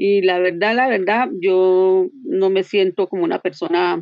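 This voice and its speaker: A woman speaks at medium pitch with ordinary pitch variation. She has a plain, everyday voice. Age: 60s. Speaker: retiree. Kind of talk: casual interview.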